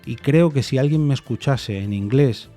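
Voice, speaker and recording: A man with a dark, relaxed voice thinks out loud on his podcast, circling his point with restarts and soft repeated no's. A faint music bed runs quietly under him. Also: mid-range voice, normal speed. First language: Spanish. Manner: thoughtful, hesitant, many restarts and repeated "no". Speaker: podcast host. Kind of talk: reflective solo opinion monologue.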